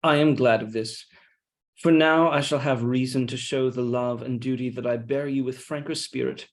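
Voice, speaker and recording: A man reading a scheming, deferential soldier in Shakespeare, with measured, insinuating, mock-humble delivery. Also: mid-range voice, fairly even intonation, lightly acted. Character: scheming deferential soldier feeding his lord's suspicion. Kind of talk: Shakespeare read-along.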